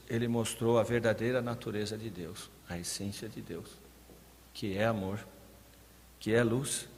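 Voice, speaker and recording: A man preaching a sermon as pastor, fervently addressing his congregation, rising to loud emphasis and dropping to soft, quiet phrases. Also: medium pitch. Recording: long hall reverb, faint background noise.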